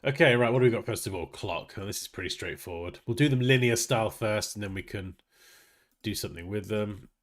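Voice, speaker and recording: A man's voice: lowish voice, brisk. A man hosting a live design tutorial, talking casually as he works, sniffly and nasal from a blocked nose. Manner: chatty, thinking aloud while working. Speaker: graphic design livestream host.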